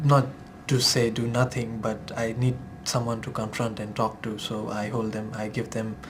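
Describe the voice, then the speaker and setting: A man talks at a moderate pace in a medium pitch with fairly even intonation. Noticeable background noise and audible room echo are present. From Nepal. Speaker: IELTS test candidate. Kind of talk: speaking exam interview. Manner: hesitant, many fillers.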